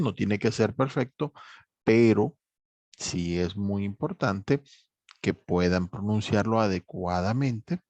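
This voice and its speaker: Male teacher, gravelly voice, dry close sound, measured lecture. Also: on the low side, a little mellow, no echo. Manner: measured, repeats reminders, many fillers like "obviamente". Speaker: English teacher. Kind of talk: online course lecture.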